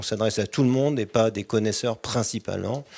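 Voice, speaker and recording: Talking at a fairly quick pace, a man with a medium pitch has a normal speaking voice. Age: 60s. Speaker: pianist and author on a panel. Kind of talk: panel discussion.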